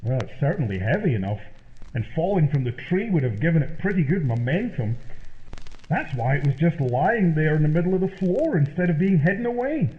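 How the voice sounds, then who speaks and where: Old-time radio comedy sidekick played by a man: dim, scheming, high-pitched, echoey noisy recording. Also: very animated, fairly quick. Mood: eager, oblivious. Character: dim, scheming, cheerfully oblivious male sidekick. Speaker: comedy double-act performer. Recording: muffled, roomy, noisy old-radio sound.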